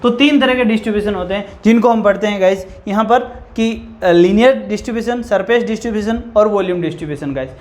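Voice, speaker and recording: A man's voice: high voice, fast talker, hardly any pauses, a little mellow. A man teaching a physics lesson. He keeps putting questions to the class, answers them himself, and says "guys" all the time. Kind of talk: whiteboard lecture. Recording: echoey room.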